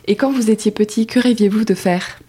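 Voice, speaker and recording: A woman hosting a podcast, reading her introduction in a calm, measured way and then interviewing her guest. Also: mid-range voice, slightly rough. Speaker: podcast host. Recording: faint music behind.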